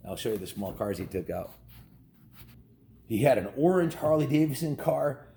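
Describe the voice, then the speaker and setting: A man's voice: mid-range voice, lively intonation, moderate pace, gravelly, warm tone, roomy sound, slight background noise. A man reading a children's story aloud in an informal, homespun way, stumbling and correcting himself with casual asides.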